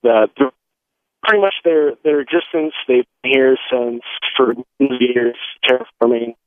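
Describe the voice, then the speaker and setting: A male caller from Michigan phones in while driving, his voice squeezed through a thin, tinny line that keeps breaking up. He talks in halting bits, full of pauses and restarts. His voice sits at an ordinary pitch and sounds dry, with no room around it. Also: dry recording. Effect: calling on a phone while driving, line breaking up. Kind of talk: call-in radio chat. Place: in a car.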